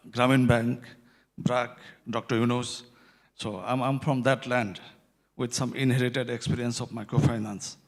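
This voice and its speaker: A man, speaking on a conference panel about microfinance, explaining earnestly with many hesitations and fillers. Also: medium pitch. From Bangladesh. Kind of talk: panel discussion.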